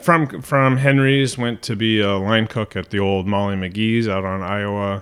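A man with an American accent speaks in an ordinary speaking voice at a fairly low pitch with ordinary pitch variation. His pace is fairly slow, with hardly any pauses. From Kansas (Lawrence). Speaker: restaurant owner. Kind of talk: interview.

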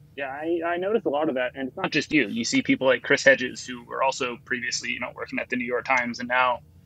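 Over noticeable background noise, a man with an American accent talks very fast at a medium pitch with fairly even intonation. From California. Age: 20s. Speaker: student interviewer. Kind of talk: interview.

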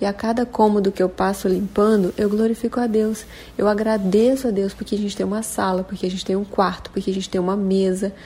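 A woman of medium pitch talks at a very fast pace in a monotone, flat intonation, with hardly any pauses. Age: 30s. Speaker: homemaker. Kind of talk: testimony.

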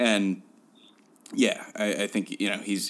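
Here a man talks at a moderate pace. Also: very clean recording, silent background. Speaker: podcast host. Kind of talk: casual chat. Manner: halting, many fillers.

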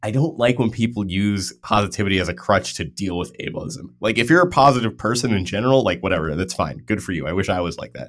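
With vocal fry and a fairly low pitch that swings very widely, a man speaks in a very clean recording with a silent background. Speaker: podcast co-host. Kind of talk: casual chat.

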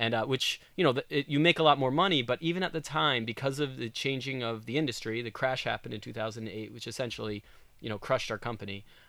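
A man with an American accent talks at a very fast pace in a medium pitch with ordinary pitch variation. The recording is very clean, with a silent background. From New York, US East Coast. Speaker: filmmaker and web series producer. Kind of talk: interview conversation.

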